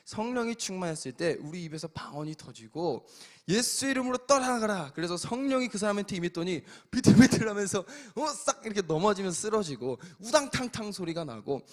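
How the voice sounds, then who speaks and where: A man preaching a sermon as pastor, swinging between loud exhortation and soft, quiet asides. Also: high-pitched, lively intonation, brisk, hardly any pauses. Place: church sanctuary.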